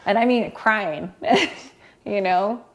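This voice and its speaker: A woman's voice: medium pitch, extremely slow, crowd noise. A woman speaking candidly and at length in a casual podcast conversation, rambling a little and laughing often.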